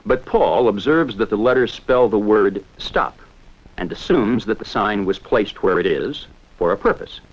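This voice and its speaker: A man giving measured, explanatory scripted narration for a 1970s educational film. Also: on the low side, animated, muffled recording.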